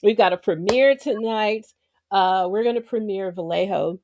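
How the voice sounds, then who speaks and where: A woman's voice: mid-range voice, normal speed, a little mellow, dry recording. A woman hosting a casual live online interview show, effusive and chatty. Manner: bubbly, effusive, laughs often. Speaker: host.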